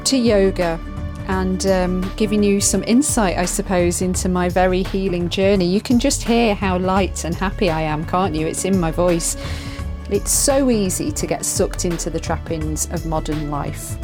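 A woman's voice: lowish voice, normal speed, music in the background. Effusive woman podcast host. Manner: warm, effusive and grateful. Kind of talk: casual interview and podcast outro.

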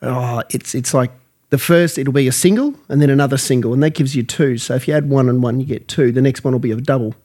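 A man's voice: medium pitch, quick pace, mellow. A man with a Queensland Australian accent in casual banter, blokey, joking and sweary.

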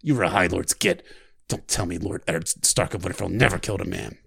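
A man voicing a scarred, hateful adult male warrior who speaks harshly and slowly in a low growl. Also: creaky, fairly bright tone, breathy edge, exaggerated voice. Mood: menacing. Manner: harsh, growling, slow and taunting.

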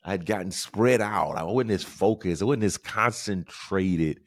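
A man's voice: sits low, a little slow, dry recording, clean studio sound. A man with a Southern US accent hosting a casual solo podcast, thinking aloud and often stammering over repeated words. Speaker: podcast host and comedian.

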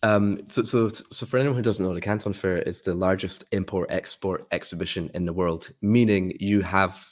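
Deep, flat-voiced man. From Scotland. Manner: friendly, upbeat, explains in quick lists. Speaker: guest, sourcing expert. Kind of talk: casual interview talk.

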